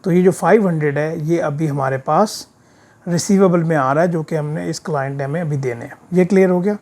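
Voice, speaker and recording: A man with a sore throat giving an informal step-by-step software tutorial, often checking that the learner follows with short tag questions. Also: a little high, brisk. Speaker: instructor of an accounting software course. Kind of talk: screen-share tutorial, informal explaining. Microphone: voice-over of a screen recording.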